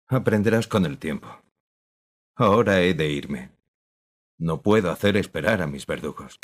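A man playing an unrepentant, disgraced old teacher in a radio drama. He speaks in a calm, measured and cold way. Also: low-pitched. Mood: cold, resigned. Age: older.

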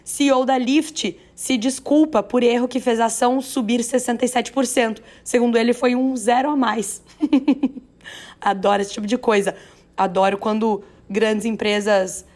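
A hoarse, raspy-voiced woman with a Brazilian accent, hosting a news podcast in a chatty, playful way with self-deprecating asides. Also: a little high, steady tone, normal speed, a little mellow. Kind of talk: chatty, conversational news narration.

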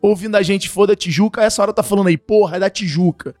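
Fast-talking Carioca man, high voice. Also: soft background music. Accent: Carioca Portuguese. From Rio de Janeiro, Brazil. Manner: animated storytelling with slang. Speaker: guest, entrepreneur. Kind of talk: casual interview chat.

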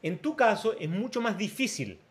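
A man's voice: sits high, sing-song, normal speed. A man hosting an interview, breaking in with emphatic explanations for his listeners. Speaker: interviewer host. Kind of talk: casual interview talk.

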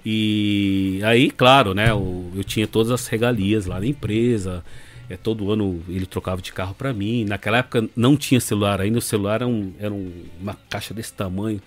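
A man's voice: on the low side, fairly quick. Man, brazilian portuguese accent, middle-aged, rambling casual storytelling, faint music behind. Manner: relaxed, rambling, leans on fillers and tag questions. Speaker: podcast guest.

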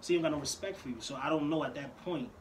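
A man as a guest on a casual chat show, giving advice in a slangy, drawn-out way. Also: a little high, a little hiss or hum.

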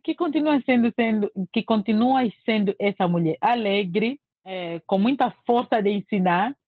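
A woman's voice: medium pitch, expressive, normal speed, no echo. A woman from Angola with an Angolan Portuguese accent, speaking earnestly and emphatically in a casual testimonial, often restarting her sentences. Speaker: language course student giving a testimonial. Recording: tinny, dry phone-like audio.

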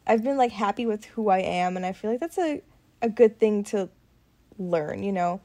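A woman in her twenties, co-hosting a podcast, telling stories in a chatty, animated way with plenty of "like". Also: medium pitch, moderate pace. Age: 20s. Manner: chatty, animated storytelling full of "like". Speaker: podcast co-host. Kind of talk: casual chat.

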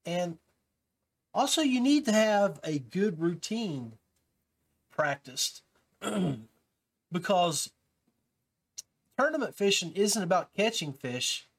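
A man's voice: high-pitched, animated, takes it slowly, long pauses. A man hosting a podcast, casually talking viewers through advice with many fillers and restarts. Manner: coaching tone, giving tips to beginners. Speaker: podcast host.

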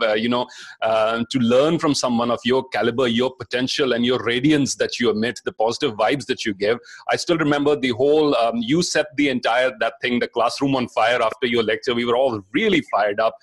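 A man with a North Indian accent hosting a conversational interview, speaking effusively and appreciatively and switching between languages. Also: medium pitch.

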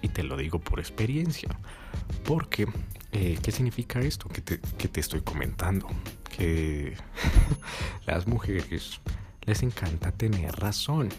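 A man's voice: sits low, very animated, a little slow, over music. A man hosting a podcast, giving blunt casual advice and swearing freely, often checking if the listener follows. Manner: blunt and swearing, keeps asking "you get me?". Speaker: podcast host.

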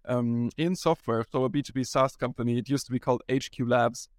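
A man's voice: mid-range voice, fairly even intonation, brisk, no room sound, clean studio sound. A man from Germany, a startup founder, talking casually in an interview and often restarting his sentences with "um". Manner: rambling, frequent restarts and ums.

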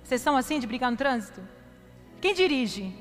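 A woman pastor with a high voice and lively intonation preaches fairly quickly from a stage in a church hall, telling a self-mocking personal story and speaking straight to the congregation. Long hall reverb and faint music fill the recording.

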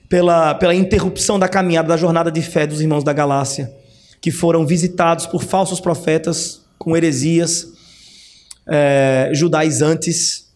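A man's voice: on the high side, a little mellow. A man teaching the Bible in a chatty, conversational way, often checking in with his listeners. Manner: chatty, with frequent "né?" asides and restarts.

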